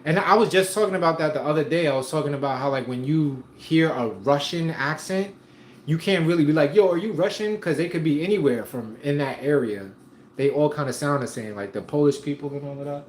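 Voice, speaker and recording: A man's voice: fairly high pitch, brisk. A man hosting a casual livestream from home, reading viewer comments in a laid-back, slangy way and chuckling often. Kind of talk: casual live chat. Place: room at home. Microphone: streaming setup. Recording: echoey room, faint noise.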